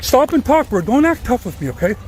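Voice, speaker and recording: A young man filming a street confrontation, speaking insistently and repeating his orders to keep the other man calm. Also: extremely high pitch, a little fast, a little hiss or hum. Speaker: streamer confronting a man on camera. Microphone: body camera.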